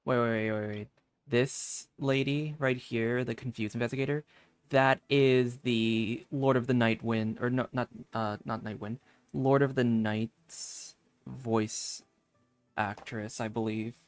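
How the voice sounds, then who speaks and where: A man streaming a video game with casual live commentary, thinking aloud in a halting way. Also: medium pitch, fairly even intonation, clean tone, no echo.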